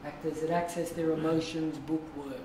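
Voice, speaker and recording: A man coaches his acting class, encouraging and drawn-out. His voice sits a little high. He is heard from across an echoey, noisy studio. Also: little pitch movement. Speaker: acting teacher. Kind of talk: guiding a class warm-up. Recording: echoey room, distant mic, noisy.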